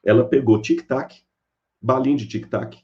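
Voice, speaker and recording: A man's voice: mid-range voice, moderate pace, highs cut off. A man giving a sermon-style Bible lecture, telling stories and acting out the people in them. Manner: animated storyteller acting out characters. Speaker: preacher.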